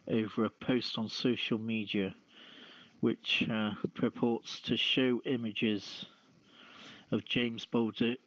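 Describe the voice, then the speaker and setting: A man hosting a news podcast with a halting, hesitant delivery, reading out items and announcements. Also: lowish voice, a bit bright, dry recording. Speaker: podcast host. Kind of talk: reading news and show sign-off. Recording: phone-like lo-fi streamed voice channel.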